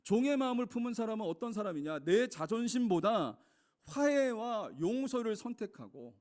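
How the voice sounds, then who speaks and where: Here a man preaches with a high, somewhat mellow voice, earnest throughout and rising to forceful peaks. Again and again he turns to the congregation, calling them "여러분".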